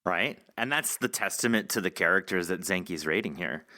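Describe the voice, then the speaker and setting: Animated, bright-voiced male podcast host. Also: low-pitched, moderate pace, no room sound, clean studio sound. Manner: enthusiastic, swears casually, laughs often. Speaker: podcast host interviewing actors. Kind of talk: casual excited chat.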